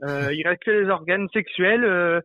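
Male expert interviewee, high register, hesitant spontaneous explainer, dry and narrow telephone-style sound. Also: normal speed, no room sound. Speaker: entomologist, interview guest. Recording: tinny, narrow phone-like line, dry.

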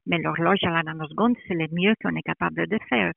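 A woman who is not a native French speaker, explaining in an interview with a foreign accent in French, haltingly searching for words. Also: fairly low pitch, gravelly, no room sound, narrow, tinny audio. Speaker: interviewed metrology department director.

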